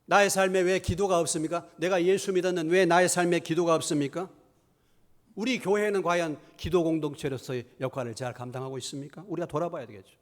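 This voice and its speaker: A middle-aged man preaching a sermon as pastor in a church, asking rhetorical questions and moving between hushed asides and raised, emphatic lines. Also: on the high side, steady tone, fast. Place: church sanctuary.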